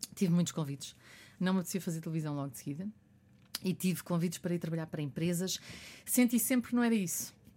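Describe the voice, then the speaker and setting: Her voice is fairly low in pitch, dark and mellow, and somewhat breathy, and this woman talks at a very fast pace broken by long, frequent pauses. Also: lively intonation. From Portugal, Porto. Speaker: former TV journalist and presenter, author. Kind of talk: radio interview. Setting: radio studio.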